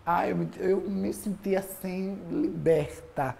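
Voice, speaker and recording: Low creaky-voiced woman. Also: takes it slowly, dark tone. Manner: candid, personal. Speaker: patient. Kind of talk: interview testimony.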